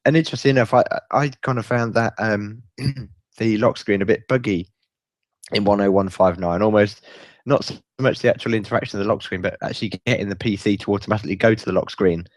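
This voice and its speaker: A hoarse, croaky man with a fairly low voice, chatting casually on a tech podcast. He rambles, restarts his sentences and drops little chuckles. The sound is dry and close, with no room in it. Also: steady tone, a little fast, no room sound. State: hoarse, croaky voice from a chest infection. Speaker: podcast co-host.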